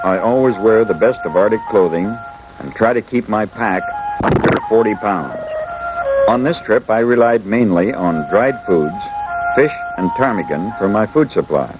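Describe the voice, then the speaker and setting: A man's voice: on the low side, moderate pace, muffled recording. A man delivering scripted first-person narration as the narrator of a wildlife documentary. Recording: band-limited old 16mm educational film soundtrack. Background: loud background music.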